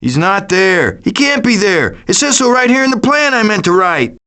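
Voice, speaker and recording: A cocky raccoon hero from an animated video game. The voice sits high and jumps around animatedly in pitch. The delivery is glib and theatrical, that of a scheming, adventurous wisecracker. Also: male voice, moderate pace, full character voice. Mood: wisecracking.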